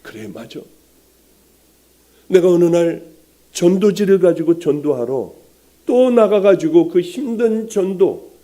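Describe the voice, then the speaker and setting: An older pastor with a high-pitched voice preaches a sermon, sharing a personal testimony full of strong emotion and often dropping into hushed, near-whispered words.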